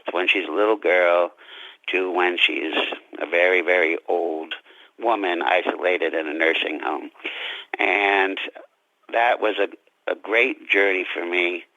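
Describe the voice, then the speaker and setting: A man being interviewed as an author, talking reflectively about his craft in halting, deliberate phrases. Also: deep voice, fairly even intonation, sharp tone, no echo, highs cut off.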